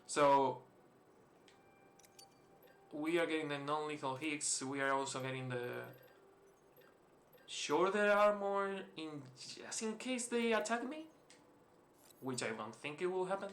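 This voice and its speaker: Gaming host, male, Spanish-influenced accent, bright edgy voice, loose swearing play-along chatter. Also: fairly high pitch, lively intonation, slow pace, long pauses. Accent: mixed, Spanish-influenced. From Spain. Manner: rambling, swears freely, chuckles often. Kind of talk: casual let's-play commentary. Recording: roomy echo, faint hiss.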